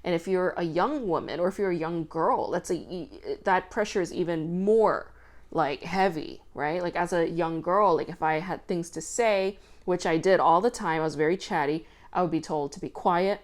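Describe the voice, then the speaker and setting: A woman hosting a podcast, talking loudly and casually with lots of fillers. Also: on the low side, normal speed. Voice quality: loud voice. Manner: chatty, filler-heavy with frequent "like" and swearing. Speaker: podcast host. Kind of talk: casual commentary monologue.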